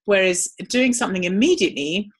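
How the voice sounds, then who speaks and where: A woman's voice: medium pitch, lively intonation, brisk, breathy edge. A woman giving a live webinar talk in a conversational way, with frequent ums. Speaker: webinar presenter.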